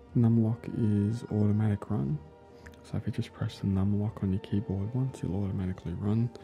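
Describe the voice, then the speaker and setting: Over music in the background, a soft-spoken man talks in a relaxed tone at a moderate pace with a fairly low pitch. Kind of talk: game guide walkthrough narration. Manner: soft-spoken, relaxed.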